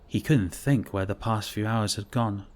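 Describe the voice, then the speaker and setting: A man narrating a scripted story for an audiobook in measured, deliberate short phrases. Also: fairly low pitch. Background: music.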